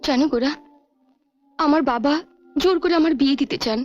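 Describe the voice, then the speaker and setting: A woman's voice: sits high, brisk, lightly acted. An actress playing a young woman tenderly pleading her love in a film drama. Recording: film soundtrack with music.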